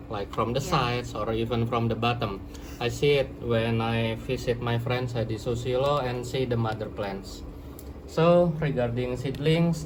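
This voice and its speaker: A man with an Indonesian accent talks viewers through his plants in a casual instructional vlog. He speaks slowly and carefully at a middling pitch, now and then pausing to find the right English word, and clear ambient noise runs behind him. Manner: slow, searching for words, explanatory. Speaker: plant grower and channel host.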